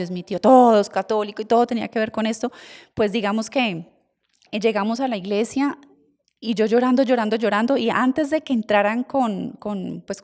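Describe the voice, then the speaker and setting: A middle-aged woman, a medium recounting her experiences in an interview, emotional and given to repetition. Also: mid-range voice. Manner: emotional, repetitive storytelling with soft asides. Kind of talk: storytelling interview answer.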